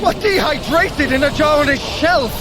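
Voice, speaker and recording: Sardonic trickster god, high male voice, very animated and wry, audio drama w/ noisy background. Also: moderate pace, crowd noise. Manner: dry, wry, articulate.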